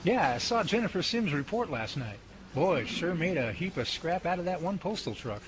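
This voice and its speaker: A man's voice: on the high side, big pitch swings, normal speed. A man playing a wisecracking, folksy lab assistant in an amateur radio drama. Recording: noisy amateur recording.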